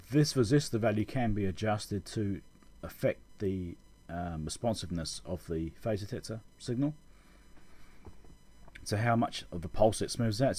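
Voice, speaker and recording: This deep, darkish, slightly rough male voice belongs to an electronics repair video host. He gives a casual technical tutorial over schematics, thinking aloud as he explains.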